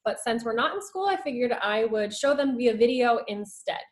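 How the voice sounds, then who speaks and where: Female schoolteacher for a children's read-aloud: fairly high, animated, expressive, with chatty asides. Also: moderate pace. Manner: expressive, with asides about the pictures. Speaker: schoolteacher reading to her class.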